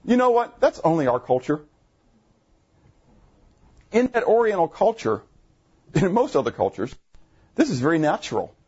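A man preaching a sermon to his congregation, animated, asking the room questions, with jumps in pitch when he gets excited. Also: moderate pace, long pauses, breathy edge, highs cut off. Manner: jumpy pitch, bursts high when excited. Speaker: pastor. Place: church assembly room.

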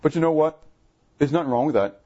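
Husky animated preacher man. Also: fairly quick, lo-fi sound. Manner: animated, asks the congregation questions; jumpy pitch, bursts high when excited. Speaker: pastor. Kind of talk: sermon. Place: church assembly room.

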